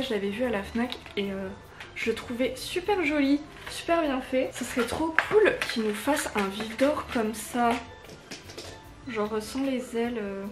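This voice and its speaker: A woman from chats casually and gushes with enthusiasm while unboxing. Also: on the high side. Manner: gushing, enthusiastic. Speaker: unboxing vlogger.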